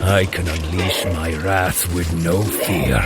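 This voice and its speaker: An actor playing a bold, blustering warrior thunder god with heroic, declamatory phrasing in an audio adventure drama. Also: male voice, low voice, steady tone, slow, very noisy. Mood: battle bravado. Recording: loud music under the voice.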